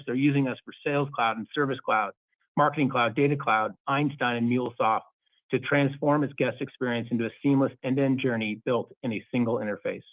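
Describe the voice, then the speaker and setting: A man speaking as a company executive, reading a prepared earnings call presentation in a formal, measured corporate manner over a phone-like conference line. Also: mid-range voice, no room sound.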